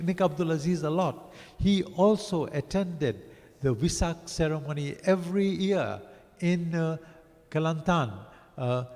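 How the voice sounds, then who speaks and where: A man born in Africa reviewing a book as a lecture, halting with many fillers and restarts. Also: fairly high pitch, a little mellow. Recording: long hall reverb.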